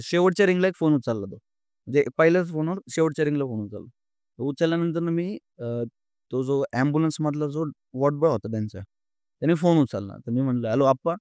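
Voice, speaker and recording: A man's voice: on the high side, darkish tone, clear, resonant tone, no room sound, clean studio sound. Earnest young man. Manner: earnest, halting, many fillers and restarts. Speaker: podcast guest. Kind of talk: emotional storytelling in an interview.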